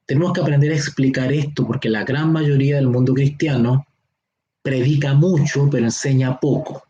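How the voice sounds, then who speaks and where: A man with a Chilean accent teaching a Bible seminar online. He explains slowly, stretches key words and keeps checking that his listeners follow. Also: mid-range voice, steady tone, mellow, muffled recording, slight background noise. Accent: Chilean Spanish. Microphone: online class or teleconference.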